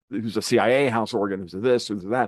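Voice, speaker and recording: The speech comes at a very fast pace with ordinary pitch variation. The sound is dry and close with no echo, and the background is quiet. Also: man. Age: 50s. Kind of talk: casual chat.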